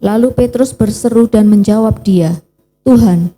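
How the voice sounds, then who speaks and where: A woman reading Bible passages aloud during a sermon in a steady, plain way. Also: medium pitch, measured pace, poor audio. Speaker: scripture reader.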